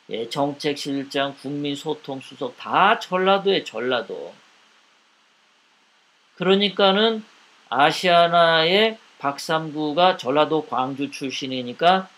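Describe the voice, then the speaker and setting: A man with a high-pitched voice delivers live political commentary as host. He speaks in an indignant tone, hammering his points with repeated rhetorical questions. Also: fairly bright tone.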